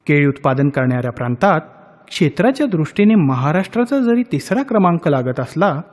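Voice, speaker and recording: A man narrates a documentary from a prepared script, his voice sitting fairly high for a man and moving up and down with a lively, animated lilt. The delivery stays measured and informative, and a long reverb trails each phrase.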